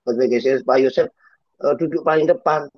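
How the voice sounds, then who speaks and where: A man preaching as a pastor, in a lively, chatty way full of rhetorical asides. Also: on the high side, fast talker, dry recording. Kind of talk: sermon. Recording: dull muffled sound.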